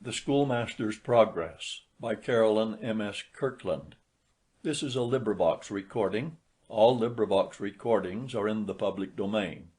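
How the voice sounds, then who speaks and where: Male audiobook reader, lower register, scripted literary narration. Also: unhurried, darkish tone.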